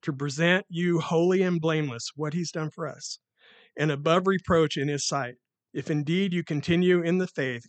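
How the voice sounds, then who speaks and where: With a mic on a stand or in hand, a man preaching as a lay minister reads scripture aloud, his excitement building as he goes. His voice is loud and carrying, pitched slightly high, and captured dry and close with little room reverb.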